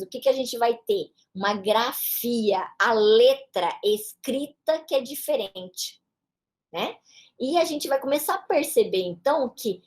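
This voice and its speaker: A woman teaching a lesson in a São Paulo Brazilian Portuguese accent, her voice sitting somewhat high. She talks slowly and patiently, going through examples one at a time. She often stops to check in with short tag questions. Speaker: English teacher. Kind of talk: classroom-style lesson explanation.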